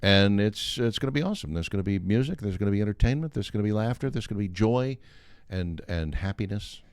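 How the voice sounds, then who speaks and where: A man's voice: fairly low pitch, animated, fast, smooth, dry recording, clean studio sound. An American man in his fifties chatting casually as a radio host, telling stories in a wry way. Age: 50s. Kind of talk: casual chat and storytelling.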